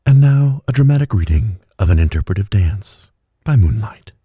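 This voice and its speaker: Lowish-voiced man playing a tabletop game. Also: lively intonation, moderate pace, dark tone, breathy edge, no echo. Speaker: player in a tabletop game podcast. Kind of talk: casual in-game narration.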